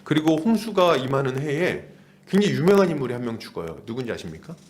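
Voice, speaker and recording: A man's voice: medium pitch, big pitch swings, fast talker, a little mellow. A man of about forty preaching an expository sermon as a pastor, using emphatic repetition and rhetorical questions.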